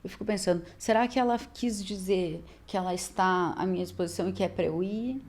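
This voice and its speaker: A woman's voice: mid-range voice, fairly quick, a little mellow. A woman podcast host, talking conversationally and thinking aloud with frequent tag questions. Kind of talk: casual podcast interview.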